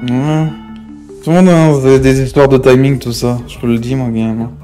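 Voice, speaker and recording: A man's voice: medium pitch, steady tone, moderate pace, dark tone, faint music behind, lightly acted. A man playing a hot-headed, menacing gang member in an improvised online crime roleplay, talking in slang with repeated verbal tics. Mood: angry, menacing.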